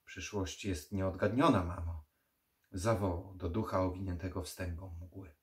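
A man's voice: low-pitched, fairly even intonation, a little slow. A man reading the part of a stubborn, haunted young man in an audiobook horror story. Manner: stubborn, agitated.

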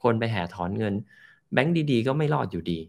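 A man's voice: lowish voice, expressive. A man hosting a channel, casually explaining finance news over clips, mixing in English terms. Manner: explains slowly in plain terms, mixes in English terms.

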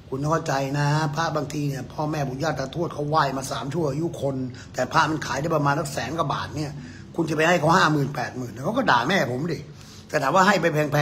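A man's voice: on the high side, fairly bright tone, a little hiss or hum. An older man, an amulet expert, giving a blunt, profane, scolding lecture to his viewers.

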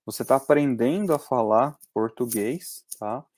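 A young Brazilian man teaching anatomy in an online class from a small room, talking conversationally and often tagging sentences with quick checks. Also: medium pitch, a little mellow, no room sound. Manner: conversational, frequent tag questions. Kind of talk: online lecture over slides.

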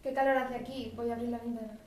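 A teenage girl rattles off scripted lines very fast. Her high voice stays even, in an echoing room. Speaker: student acting in radio play. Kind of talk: scripted dialogue. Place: school classroom. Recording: roomy classroom, faint noise.

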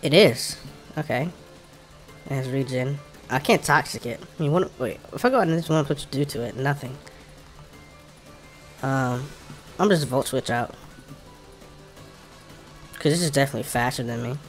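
A man with a mid-range voice and an African American English accent casually comments while playing a video game, thinking aloud and muttering to himself in an informal way. He talks at a moderate pace with long pauses. Game music plays in the background.

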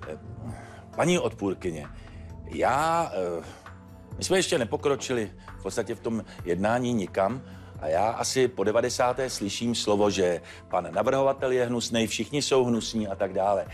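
An actor playing a stern, formal judge who admonishes the parties with frequent hesitant fillers. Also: male voice, on the low side, expressive, faint music behind, close to an everyday voice. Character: stern measured male judge, controlled. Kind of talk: courtroom TV show acting.

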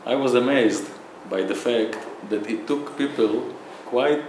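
A man interviewing a guest, asking measured questions and prompting. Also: mid-range voice, a little mellow. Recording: echoey room, faint background hiss.

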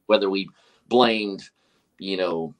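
Earnest low-voiced pastor on a video call. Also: male voice, slow. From West Texas. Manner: earnest, preachy, many fillers and restarts. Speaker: pastor and guest. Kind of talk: casual video call conversation. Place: office with whiteboard, indoors. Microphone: webcam on video call.

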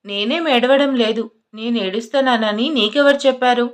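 A woman reading a sharp-tongued college girl. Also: fairly high pitch, normal speed, lightly acted. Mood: defiant. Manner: defensive, mocking. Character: sharp-tongued young female college student.

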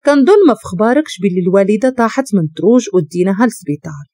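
A woman's voice: medium pitch, very animated, racing, mellow, dry recording, studio quality. A woman with a Moroccan accent voicing a caring, worried young man, speaking earnestly in a storybook reading. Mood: concerned.

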